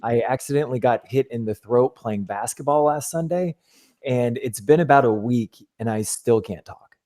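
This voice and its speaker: A man hosting a casual sports podcast, his voice hoarse and giving out, talking in a loose, rambling way from an echoey, half-empty office. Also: medium pitch, normal speed, warm tone. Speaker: podcast host.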